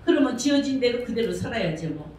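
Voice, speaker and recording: A woman's voice: on the high side, lively intonation, fast, darkish tone, a little hiss or hum. A woman pastor giving a sermon in a church, preaching conversationally and putting questions to the congregation. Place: church sanctuary. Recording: very echoey church from far off.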